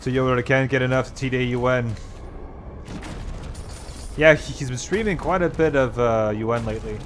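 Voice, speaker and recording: A man's voice: mid-range voice, normal speed, soft background music. A young man with an American-influenced English accent, half French and half Danish, chatting casually with his live chat while he plays, rambling and joking. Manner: rambling, restarts words, playful banter. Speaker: streamer.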